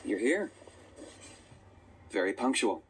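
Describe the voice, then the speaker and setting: An actor playing a calm, pragmatic young tribal hunter in a video game, with a measured, matter-of-fact, deadpan delivery. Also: male voice, mid-range voice, slight background noise. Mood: grave, matter-of-fact. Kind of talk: English video game voice acting.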